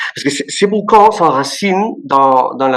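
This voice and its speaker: A man speaks with a non-native accent. His intonation is lively. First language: Spanish or Catalan (speaking French). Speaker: political philosopher, university academic. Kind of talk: academic seminar presentation. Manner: halting, many repetitions.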